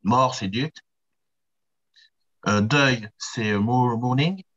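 A man's voice: medium pitch, drawn-out words, fairly bright tone, muffled recording. A man reciting English vocabulary in an online class, hesitant and careful, heard over call audio. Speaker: student.

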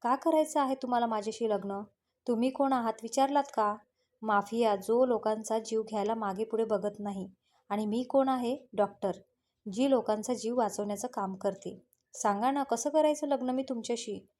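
A woman's voice: on the high side, normal speed, lightly acted. A woman voicing a proud, stubborn young female doctor who answers back sharply. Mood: angry. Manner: sharp, indignant retorts.

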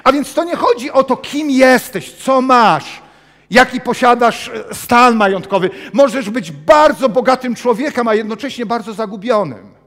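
Man, 50s, pastor, sermon, animated, reverberant church hall. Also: very high-pitched, moderate pace. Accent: Polish. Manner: animated, gesturing broadly while pacing the stage. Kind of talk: sermon with personal testimony.

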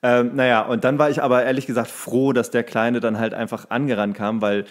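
A man's voice: mid-range voice, flat delivery, a little fast. Man chatting casually, acting out his anecdotes. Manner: colloquial, re-enacts dialogue in his stories. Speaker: podcast co-host and actor. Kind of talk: casual anecdotal podcast chat.

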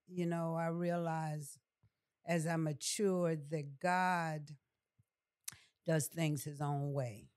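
An older woman from New York City speaks as a guest in a studio conversation. She takes her time, pausing and choosing words deliberately, in a very slow, reflective delivery. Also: deep voice, darkish tone. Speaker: podcast guest. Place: small furnished podcast studio. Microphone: close boom-arm studio mic with headset.

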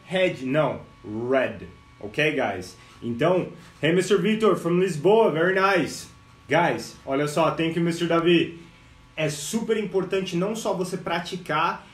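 Upbeat Brazilian male English teacher on a live stream, slightly high voice, slow exaggerated drills, echoey room. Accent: Brazilian Portuguese. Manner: energetic, mixes English and Portuguese, greets viewers; drills words slowly, exaggerates sounds. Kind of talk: live-streamed pronunciation lesson.

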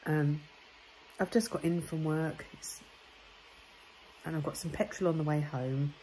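Low, congested woman vlogging chattily. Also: fairly even intonation, measured pace, slight background noise, rough recording. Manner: chatty, chirpy and warm. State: congested, bunged-up nose. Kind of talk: casual daily vlog chat. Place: home and car, indoors. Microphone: phone camera at arm's length.

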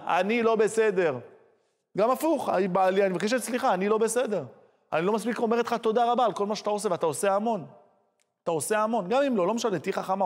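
High-voiced preaching man in a hall. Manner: preachy, rhetorical questions, lively storytelling. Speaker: rabbi. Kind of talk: sermon.

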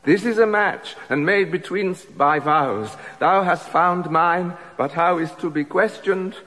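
A repentant older king, awed and yearning before a wonder. His verse comes measured and high-pitched, and it rings with a long reverb, as if in a stone chapel. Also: bright, forceful tone. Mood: relieved. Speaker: actor playing King Leontes. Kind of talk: classical stage acting, audio drama.

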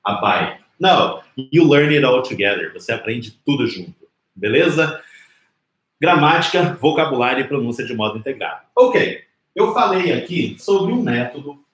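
A Brazilian man in his forties giving an informal, conversational English lesson on a live stream, explaining didactically with rhetorical questions and example phrases. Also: mid-range voice. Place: small indoor room with whiteboard. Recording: roomy, echoing indoor sound.

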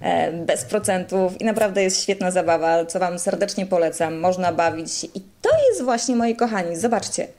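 A woman's voice: lowish voice, moderate pace, few pauses, darkish tone. A woman answering viewer questions to camera, talking sweetly and calling her viewers her dear ones. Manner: sweet, addresses viewers as "moi kochani". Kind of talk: casual talk to camera.

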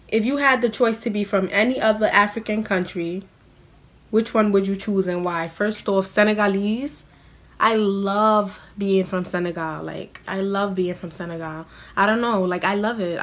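A woman's voice: medium pitch, fairly bright tone. A young woman from the US answering viewer questions to camera in a small room, blunt and casual, full of "like" fillers. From United States. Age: young adult. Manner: blunt, casual slang-heavy, many "like" fillers. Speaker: vlogger.

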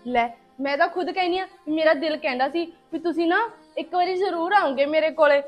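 A woman plays a returning first wife in a Punjabi village drama, speaking in a very high voice. She keeps coming back with reproachful, coaxing questions. Soft music plays faintly underneath. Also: brisk, highs cut off.

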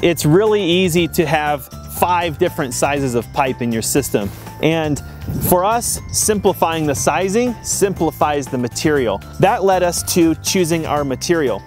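A man's voice: on the high side, lively intonation, unhurried, soft background music. A man in his thirties walks through his homestead's water system in a casual, step-by-step way, recorded outdoors in the snow by a camera a few feet away. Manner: practical, plainspoken, explains step by step. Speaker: homesteading vlogger. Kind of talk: casual explainer vlog.

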